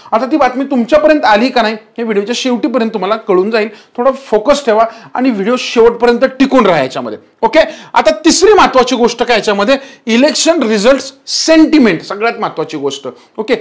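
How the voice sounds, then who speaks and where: Emphatic man teaching the stock market. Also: very high voice. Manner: emphatic, repeats "remember", gestures while explaining. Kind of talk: explanatory market lesson. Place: studio in front of a large presentation screen.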